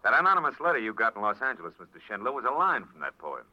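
A man playing a wry, world-weary private detective in a 1940s radio drama, speaking in terse, measured phrases. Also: fairly low pitch, very animated. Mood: explaining, wry. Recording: muffled vintage radio recording, faint music.

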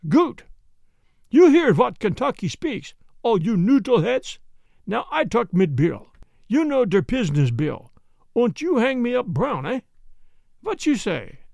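A man's voice: high-pitched, huge pitch swings, unhurried, creaky, darkish tone, dry recording, full character voice. A man voicing a stubborn, blustering prisoner with a heavy put-on foreign accent.

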